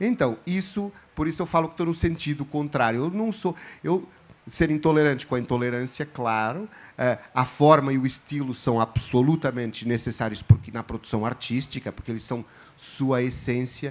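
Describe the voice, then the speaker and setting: With lively intonation, a man speaks at a moderate pace and medium pitch in a very clean recording with a silent background. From Portugal. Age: 50s. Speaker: writer and newspaper columnist. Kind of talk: talk at a literary festival. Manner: hesitant, with many fillers and restarts.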